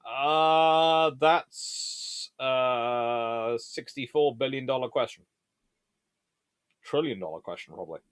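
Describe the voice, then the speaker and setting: Speaking slowly in a smooth, medium-pitched voice, a man hosts a casual live question-and-answer session on naval history. His answers ramble and digress, with frequent self-corrections. No room sound is audible.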